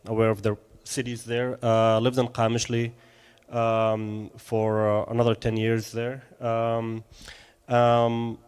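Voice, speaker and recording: A man's voice: medium pitch, completely flat delivery, slow, darkish tone, smooth. A man from Syria in his thirties, a filmmaker guest answering questions in a live interview, hesitant with many fillers and restarts.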